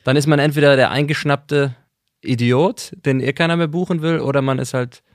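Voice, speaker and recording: A man at a middling pitch who talks fast in a relaxed conversation. He jumps in with quick jokes and agreement, heard close and dry. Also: dry recording. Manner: quick, chiming in with jokey interjections. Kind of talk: casual podcast conversation.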